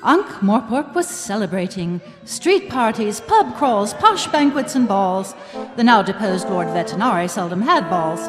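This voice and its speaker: A woman's voice: mid-range voice, lively intonation, measured pace, natural voice. A woman performing as a wry, arch narrator in a live audio play, with theatrical delivery. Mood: playful. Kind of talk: dramatic scripted narration. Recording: live hall reverb, music behind.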